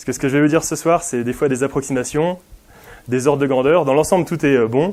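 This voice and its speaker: The voice moves at a very fast pace. Its pitch variation is ordinary. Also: man. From France, Pyrénées-Orientales. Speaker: engineer and climate consultant, lecturer. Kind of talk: lecture-performance.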